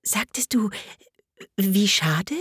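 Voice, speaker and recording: A woman voicing a timid, nervous white rabbit who talks in quick, anxious whispers in a storybook reading. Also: fairly high pitch, a little mellow, husky, no echo, clean studio sound, pitched above the performer's own voice.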